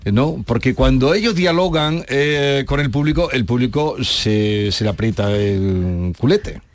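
A man's voice: mid-range voice, expressive, measured pace, no echo. A man hosting a radio talk show, prompting his guest with friendly questions. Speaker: radio host. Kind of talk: radio interview. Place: radio studio.

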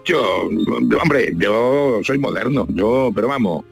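A man's voice: medium pitch, animated, slow, creaky, faint music behind. An older man from La Mancha in Spain, talking as a radio guest in a colloquial, jokey way and repeating words for emphasis. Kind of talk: chatty radio interview, anecdotes.

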